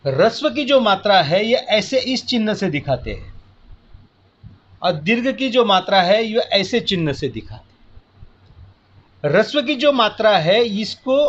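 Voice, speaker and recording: Patient high-voiced male teacher. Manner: patient, step-by-step explaining with counting aloud. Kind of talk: classroom lesson at a board. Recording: muffled lo-fi audio.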